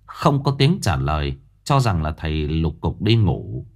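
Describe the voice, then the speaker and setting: A man tells a ghost story with a deep, husky voice. His pitch rises and falls a great deal as he builds the scene. Soft music plays faintly behind him. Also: sing-song, measured pace. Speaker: narrator.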